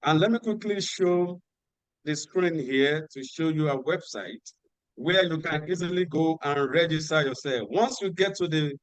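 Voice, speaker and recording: A man hosting an online workshop on a video call, giving instructions and repeating key details slowly. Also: fairly high pitch, no echo, low-quality recording. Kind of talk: announcements at an online meeting.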